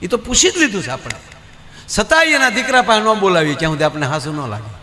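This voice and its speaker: High, bright-voiced stage comedian. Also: male voice, quick pace, big-room sound. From Gujarat. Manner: animated storyteller acting out voices in the jokes. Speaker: folk comedian. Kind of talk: Gujarati dayro stage comedy storytelling. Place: live stage show before an audience.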